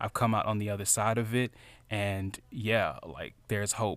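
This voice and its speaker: A man with an American accent speaks in a plain, everyday voice, fairly low in pitch with ordinary pitch variation. The recording is very clean, with a silent background. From Miami, South Florida. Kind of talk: casual interview chat.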